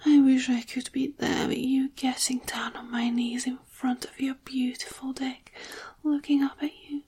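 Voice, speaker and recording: A woman giving an intimate erotic ASMR monologue in a breathy whisper, with slow, sultry, pausing delivery. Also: high voice, flat delivery, dark tone. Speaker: erotic audio performer.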